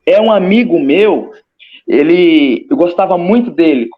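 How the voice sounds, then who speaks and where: A Brazilian man tells his own story as an interview guest in a casual, halting way. His voice sits high for a man, and he stumbles and repeats words as he acts things out. The audio is a little dull and lo-fi. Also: animated. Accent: Brazilian Portuguese. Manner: hesitant, repeats words, re-enacts with gestures. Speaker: interview guest recounting a near-death experience. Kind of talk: casual personal testimony. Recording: slightly muffled lo-fi audio.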